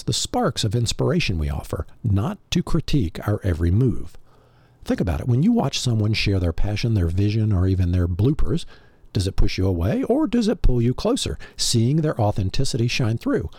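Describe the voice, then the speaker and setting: A male podcast host gives a scripted motivational talk straight to the listener. His low, mellow voice has a husky edge and moves in lively swings, recorded very dry. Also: no echo. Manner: rhetorical, addressing the listener directly.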